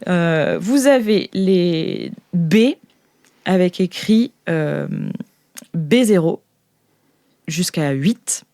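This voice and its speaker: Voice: medium pitch, expressive, drawn-out words, pauses often, dark tone, no echo. Hesitant game master in a very dry recording. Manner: hesitant, searching for words. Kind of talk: improvised tabletop role-play narration, casual chat.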